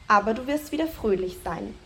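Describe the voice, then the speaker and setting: A woman voicing a wise old male octopus in a storybook, solemn and deliberate. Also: fairly high pitch, expressive, pushed and bright, a little hiss or hum.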